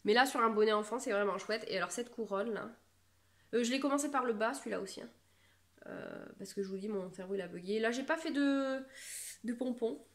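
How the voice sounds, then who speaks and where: A woman's voice: a little high, a little fast. A woman in her thirties from France, chatting casually to camera about her knitting, rambling and self-mocking with lots of fillers. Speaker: knitting vlogger.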